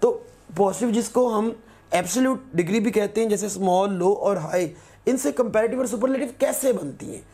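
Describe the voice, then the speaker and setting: A male teacher giving a recorded grammar lesson, patiently repeating words slowly as examples. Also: high voice, warm tone.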